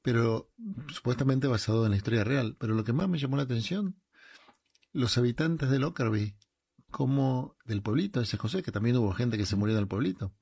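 A man's voice: medium pitch, a little fast, gravelly, darkish tone, slightly rough, no echo, studio quality. A man hosting a talk show, chatting in an easy, thoughtful way and drawing out his words. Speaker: radio host. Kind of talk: casual chat. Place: New York.

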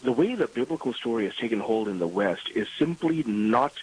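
A man's voice: mid-range voice, lively intonation, a little fast, slightly rough, rough recording. A man from Malaysia, a guest author, explaining his ideas thoughtfully in a radio interview.

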